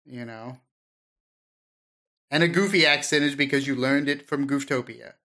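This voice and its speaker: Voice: medium pitch, normal speed, bright, forceful tone. A podcast co-host chatting casually in a blunt, opinionated way. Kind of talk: casual chat.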